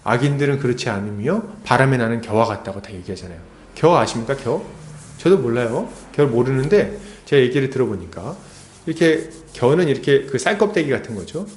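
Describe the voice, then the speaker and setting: Lively pastor preaching in an echoey hall. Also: male voice, medium pitch, fairly quick. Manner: lively, conversational preaching with rhetorical questions and acted-out asides. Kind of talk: expository sermon. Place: church sanctuary.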